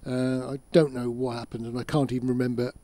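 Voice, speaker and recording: A man's voice: medium pitch, little pitch movement, brisk, mellow. A man giving a casual explainer as a presenter, talking in a matter-of-fact, conversational way, step by step. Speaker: presenter of an audio gear channel.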